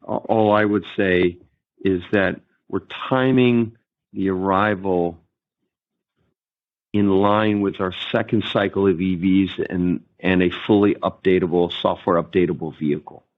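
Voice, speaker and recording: Male executive, low voice, fielding analyst questions on a narrow phone-like line. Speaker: company executive. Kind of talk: answering analysts on an earnings call. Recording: narrow tinny conference call line.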